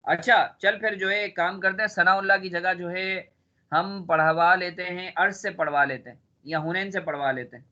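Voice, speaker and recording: A man with a high, bright voice teaches accounting to a class. He has a sore throat and keeps quizzing his students with playful repeated questions. The recording sounds dull and lo-fi. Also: steady tone, moderate pace.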